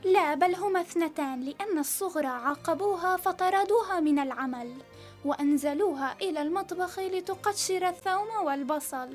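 A woman's voice: extremely high pitch, fairly quick, faint music behind. A woman voicing young daughters in a radio story, with a childlike, pleading, playful way of talking. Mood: eager. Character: young daughters, eager, dreamy girls.

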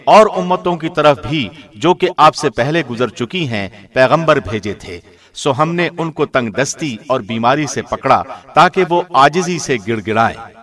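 A man reading a scripture translation from a script in a measured, formal radio-presenter manner. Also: medium pitch, animated, fairly bright tone. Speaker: translation reader.

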